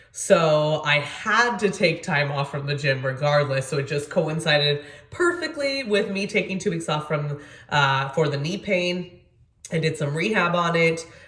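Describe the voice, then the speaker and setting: In a room with audible echo, a woman with a very deep, low pitch talks at a fairly slow pace. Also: ordinary pitch variation. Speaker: fitness coach and vlogger. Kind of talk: casual vlog talk. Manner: chatty, filler-heavy.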